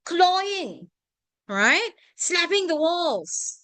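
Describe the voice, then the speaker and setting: A woman's voice: extremely high pitch, very slow, no room sound. A woman tutor with a Singaporean English accent, running an online revision class and checking in with her students after nearly every point. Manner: animated, constantly checking in with "right?" and "okay?". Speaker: tuition teacher.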